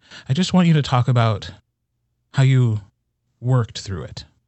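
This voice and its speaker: At a moderate pace, a man speaks with a somewhat breathy quality. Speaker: podcast host and audiobook narrator. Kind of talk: casual chat.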